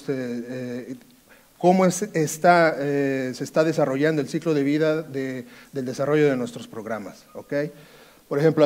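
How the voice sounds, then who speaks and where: A man with an Italian accent giving a conference talk on a dark stage, hesitant, with many fillers and restarts. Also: on the high side. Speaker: conference speaker, sales engineer. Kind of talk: conference presentation.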